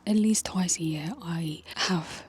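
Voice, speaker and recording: Soft whispering woman in a garden. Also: fairly low pitch, slow, a little hiss or hum. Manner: gentle, tender, reflective. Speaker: video creator. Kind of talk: whispered ASMR-style personal talk. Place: garden outdoors. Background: faint outdoor ambience with bees.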